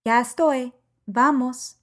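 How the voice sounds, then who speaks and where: A woman teaching a language lesson podcast, reading example sentences in measured, carefully enunciated phrases. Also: high voice, fairly even intonation. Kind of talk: slow, clear podcast lesson.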